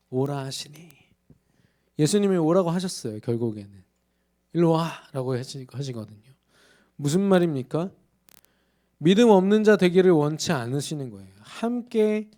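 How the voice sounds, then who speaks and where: Male pastor preaching in church, keeps asking the crowd questions, mellow slightly high voice. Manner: emphatic preaching with rhetorical questions. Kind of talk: sermon.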